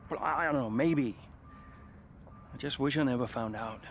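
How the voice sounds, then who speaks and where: A man's voice: medium pitch, normal speed, a little hiss or hum, close to an everyday voice. An actor playing a frustrated veteran male racing driver, grumbling and weary, in a video game cutscene. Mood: aggrieved.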